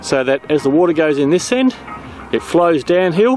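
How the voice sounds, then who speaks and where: Speech moves at a fairly quick pace, dry with no echo. Faint music plays in the background. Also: man. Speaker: touring coach driver showing places. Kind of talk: casual travel vlog commentary. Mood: relaxed, informative. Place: open country. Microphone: phone near.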